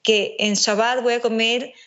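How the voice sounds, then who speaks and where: A woman from Venezuela with an accent blended by years in Chile, explaining family nutrition in a measured, structured way as an interview guest. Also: on the high side, flat delivery, fairly bright tone, lo-fi sound. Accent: Venezuelan mixed with Chilean. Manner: measured, structured, lists points. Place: speaking remotely from home.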